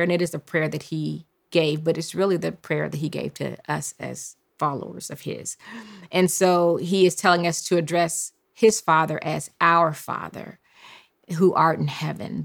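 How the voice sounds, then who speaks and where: A woman hosting a podcast Bible lesson, leading call-and-response memorization with drawn-out phrases. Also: low-pitched, gravelly. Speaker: podcast host and Bible teacher.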